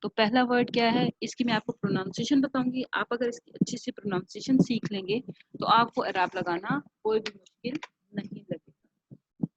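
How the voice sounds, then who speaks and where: A woman with a Pakistani accent teaching a class online, sounding out words slowly and carefully and repeating them. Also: fairly high pitch, no room sound. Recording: dull lo-fi home recording.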